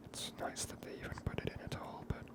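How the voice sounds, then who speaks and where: A gaming video host whispers ASMR commentary close to the microphone, musing aloud in a hushed, unhurried way.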